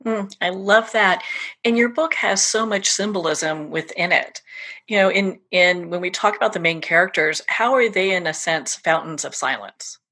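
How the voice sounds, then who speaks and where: A woman's voice: lowish voice, normal speed, sharp tone. A woman hosting a conversational book interview, speaking to her guest in an effusive, admiring way. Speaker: radio or podcast interview host.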